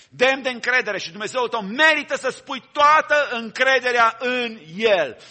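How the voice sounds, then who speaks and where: A man's voice: extremely high pitch, pushed and bright. A man preaching a sermon fervently, exhorting the congregation with repeated refrains and asking them to repeat phrases to their neighbours.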